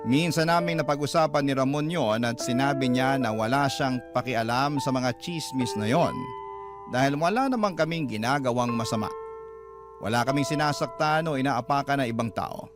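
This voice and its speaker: A man's voice: medium pitch, normal speed, lightly acted. A man playing a gay salon worker who recounts a life story in scripted radio drama narration. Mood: matter-of-fact. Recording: music bed under the voice.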